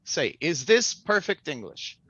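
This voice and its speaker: Guy from mexico coaching an english class, bright forceful voice, dry slightly dull audio. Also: a little high, very animated, dry recording. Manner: instructive, deliberate prompting. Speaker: language trainer, podcast host. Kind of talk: interactive spoken English class.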